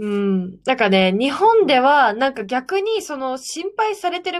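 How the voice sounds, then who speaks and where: Pitch swings very widely at a moderate pace in a very clean recording with a silent background. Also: woman. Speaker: podcast host. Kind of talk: casual chat.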